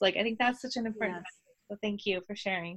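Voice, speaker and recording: A woman speaks at medium pitch, her voice somewhat breathy. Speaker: podcast co-host. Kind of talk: casual interview chat.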